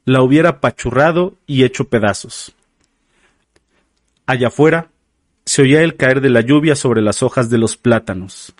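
A man's voice: medium pitch, moderate pace, pauses often, no echo, clean studio sound. Somber male audiobook narrator.

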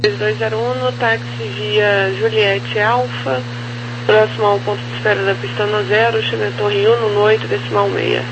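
A woman's voice: medium pitch, level tone, normal speed. A Brazilian woman working as an air traffic controller, giving clipped instructions over a radio transmission. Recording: muffled, noisy aviation radio with hum.

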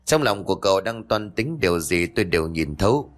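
A man voicing a cunning, sharp-tongued old man who scolds and bullies a lodger in a spoken ghost story. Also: low-pitched, expressive, a little fast. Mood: scolding. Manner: scolding, blunt.

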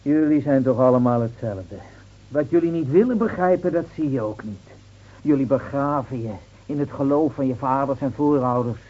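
This muffled old radio recording features a man with a medium-pitched, lightly acted voice. He plays a brusque, lecturing city-bred policeman in a Dutch radio drama, scornful and officious.

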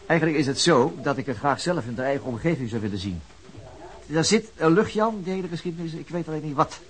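A man's voice: a little high, expressive, fast, close to an everyday voice, rough recording. An actor with a Dutch accent playing a stubborn veteran police detective in his fifties, blunt and musing by turns in a radio play. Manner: blunt, musing, then commanding. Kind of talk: Dutch radio drama acting.

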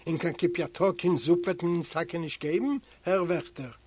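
A man reading aloud voices a bitter prisoner who shouts aggrieved complaints. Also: high-pitched, moderate pace.

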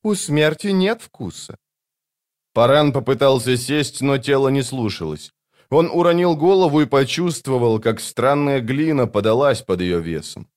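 A man reading a fantasy audiobook with an expressive delivery. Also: mid-range voice, normal speed. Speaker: audiobook narrator.

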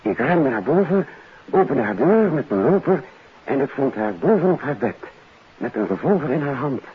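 An actor playing a deferential, eager hotel porter in a 1950s Dutch radio drama, hesitant and respectful. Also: male voice, medium pitch, very animated, moderate pace, husky. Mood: nervous, deferential. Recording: muffled, noisy 1959 radio recording.

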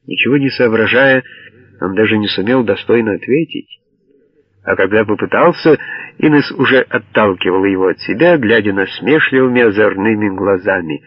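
A man reading a novel aloud as an audiobook narrator, in a measured, even way. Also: on the low side, husky, dry recording. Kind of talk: scripted narration. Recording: dull lo-fi dry audio.

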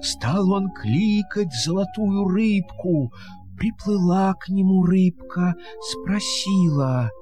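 A man's voice: high voice, lively intonation, slow, mellow, faint music behind. A man narrating a fairy tale in verse as a storyteller, with a theatrical, singsong delivery.

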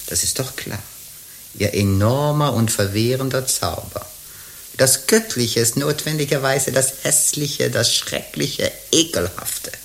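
An actress playing a sly, earthy older Gypsy procuress queen in a radio drama, gravelly, teasing and theatrical. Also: a bass voice, slight background noise. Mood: mocking, musing.

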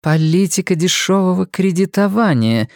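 A stern older mother with a prim, scolding voice, pitched up high, put on by a male narrator. She speaks crisply and sharply in an audiobook reading. The recording is close and dry. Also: expressive, moderate pace, darkish tone, no echo. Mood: disapproving. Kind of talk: audiobook character voice.

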